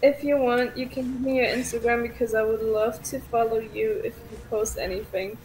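A woman from Germany chatting on a video call, warm and emotional in her reactions. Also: fairly high pitch, steady tone, normal speed, low-quality recording. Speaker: stranger on video chat. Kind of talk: casual chat. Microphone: computer mic on a video call.

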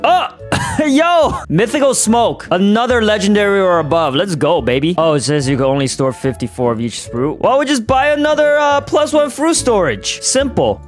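A young man giving hyped, jokey gameplay commentary, jumping from shouts to deadpan mutters. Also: high voice, normal speed. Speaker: gaming YouTuber. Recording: faint music behind the voice.

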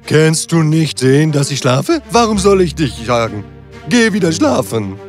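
Grumpy, dim giant acted by a man, pitched up and blustering, fairy tale with music. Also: sing-song, moderate pace. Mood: annoyed, accusing. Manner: blustering, argumentative. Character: grumpy, quarrelsome, slow-witted male giant. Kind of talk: children's fairy tale voice acting. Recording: music behind the voice.

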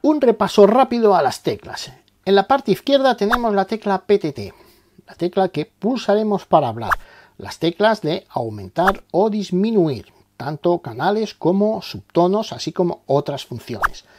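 A man's voice: high voice, lively intonation, moderate pace, background noise. A man with an accent from Spain, explaining a product step by step in an informal tutorial style. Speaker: product reviewer and tutorial presenter.

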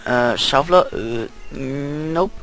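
A man's voice: medium pitch, very slow, fairly bright tone, faint music behind. A young man doing casual let's play commentary, reading game text aloud with sarcastic asides. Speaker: let's player.

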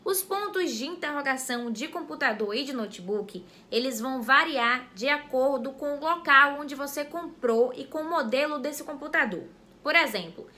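A Brazilian woman with a high, bright voice teaches a grammar lesson. She explains clearly and step by step, addressing her viewers directly as she goes. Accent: Brazilian Portuguese. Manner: clear and didactic, speaks straight to viewers. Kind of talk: educational explainer video.

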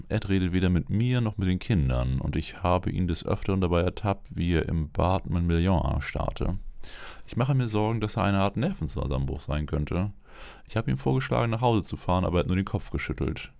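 A man plays a worried wife and mother reading out her holiday diary. The voice is very low and crackly, recorded dry, with an earnest, anxious delivery. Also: animated, fairly quick, gravelly, darkish tone, no echo.

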